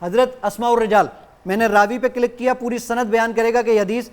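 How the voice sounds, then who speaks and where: A man appearing as a guest on a TV show, demonstrating his app in lively detail and acting out both sides of his exchanges with it. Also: very high-pitched, clear, resonant tone. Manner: animated explainer who acts out exchanges with the app.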